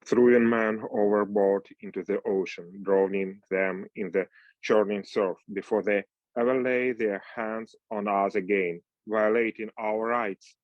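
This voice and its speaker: An actor playing a grave suppliant seeking protection in the chorus of a Greek tragedy, over a video call. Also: male voice, lowish voice, steady tone, measured pace, close to an everyday voice. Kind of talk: dramatic reading of Greek tragedy. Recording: slightly dull video-call audio.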